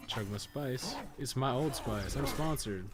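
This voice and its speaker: A man's voice: mid-range voice, lively intonation, unhurried, heavy background noise. A man doing casual, profane, joking video game commentary as he chats with stream viewers. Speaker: live streamer, podcast co-host.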